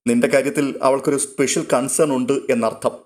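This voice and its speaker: A man's voice: mid-range voice, steady tone, brisk, close to an everyday voice. A man reading a story aloud and voicing a friendly young man who teases and nudges a younger girl. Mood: teasing. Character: friendly young man, teasing older cousin.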